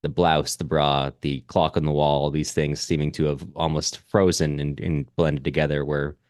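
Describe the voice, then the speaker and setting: A man co-hosting a reflective literary discussion, speaking in a halting, thoughtful way as he searches for his words. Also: rumbling low, level tone, darkish tone, dry recording, studio quality. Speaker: podcast co-host.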